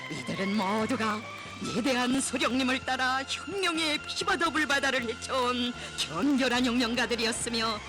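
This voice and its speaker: High-pitched North Korean male propaganda narrator. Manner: reverent, solemn, emotive declamation. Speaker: documentary narrator. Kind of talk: scripted propaganda film narration. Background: music.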